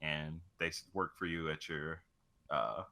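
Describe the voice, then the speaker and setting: A man's voice: very deep voice, measured pace, creaky, sharp tone. A young man chatting casually and unscripted as a gaming co-host, with a crude, profane streak.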